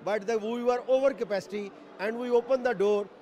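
High-voiced guy, community center president, explains things plain. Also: brisk, dark tone. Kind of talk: interview.

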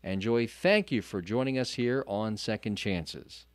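A man's voice: on the low side, measured pace, dry recording, studio quality. Earnest male Christian radio host. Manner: earnest, rambling with many restarts. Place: radio studio.

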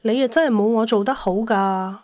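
A woman's voice: a little high, normal speed, a little mellow, close to an everyday voice. A woman playing a vain, wheedling older second mother, flustered but cheeky, in an audio drama. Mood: cheeky, boastful. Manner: pleading, then cheekily boastful.

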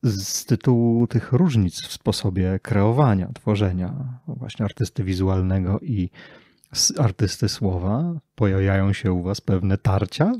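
A man's voice: fairly low pitch, a little slow, mellow, no room sound, clean studio sound. A man hosting a conversational interview, putting questions and reflections to his guest. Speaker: podcast host, interviewer.

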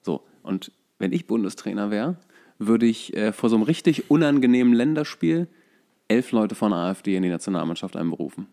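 A man's voice: on the low side, lively intonation, a little fast, dark tone. A man chatting casually and jokingly as a podcast co-host. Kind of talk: casual chat.

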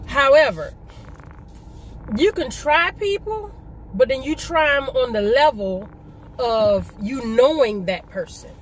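A middle-aged woman talks casually to her viewers in a fairly high voice. She makes her points emphatically, repeating herself and asking rhetorical questions. There is noticeable ambient noise behind her, like the sound of a vehicle or outdoors. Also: low-quality recording. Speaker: vlogger. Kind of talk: casual mukbang conversation, storytelling.

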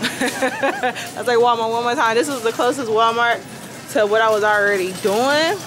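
This young woman's voice sits on the high side, and she talks at a moderate pace while filming a casual vlog on her phone at arm's length. Chatty and quick to laugh, she addresses her viewers as y'all, her throat a little raspy after yelling at a concert. Car noise and then store noise run underneath as she goes from her car into a shop.

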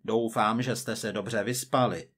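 A man voicing a cold, persistent male agent from the future, measured and quietly menacing. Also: fairly low pitch, fairly even intonation.

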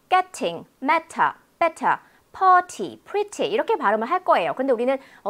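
A woman with a high-sitting voice gives an exam-prep listening lecture, animated and demonstrative as she exaggerates sounds for her students.

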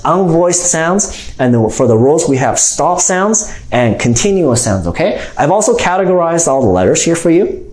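A man's voice: medium pitch, darkish tone. A man in his forties teaching an instructional phonics lesson in an explanatory way, often checking in with "okay?". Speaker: reading teacher. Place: small room indoors. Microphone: lapel mic. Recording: roomy, echoing indoor sound.

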